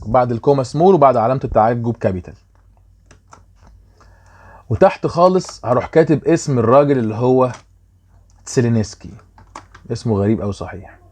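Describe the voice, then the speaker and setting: A man's voice: mid-range voice, a little mellow, husky. A young man with an Egyptian Arabic accent, explaining a worksheet as a German teacher in a chatty way and often checking that students follow.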